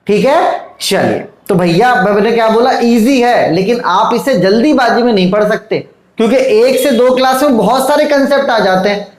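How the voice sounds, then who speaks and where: A male teacher giving an online lecture to students, coaxing and fatherly, often pausing to check "okay?" and "look". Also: very high voice, roomy sound, poor audio. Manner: repeats checks like "theek hai" and "dekho".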